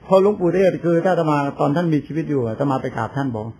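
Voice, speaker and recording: Older monk rambling through a sermon, voice a bit high, little bit of hiss behind. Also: male voice, expressive, rapid-fire, warm tone. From Thailand. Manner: chatty storytelling with laughs and quoted voices. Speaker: Buddhist monk. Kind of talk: informal sermon.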